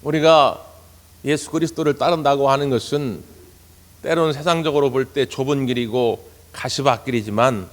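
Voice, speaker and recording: A man preaching a sermon as pastor, telling stories and earnestly addressing the congregation. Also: fairly high pitch. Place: church sanctuary. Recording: long church hall reverb.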